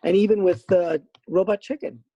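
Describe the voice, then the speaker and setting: Raspy middle-aged man, high and gravelly. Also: moderate pace, no room sound, highs cut off. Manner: animated, rambling with many fillers. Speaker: voice actor guest. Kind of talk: casual podcast interview.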